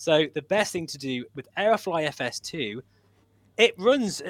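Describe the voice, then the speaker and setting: With a British accent, a man talks with very wide pitch swings on a very clean recording that has a silent background and a dry, close sound with no echo. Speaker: flight sim YouTuber. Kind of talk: casual chat.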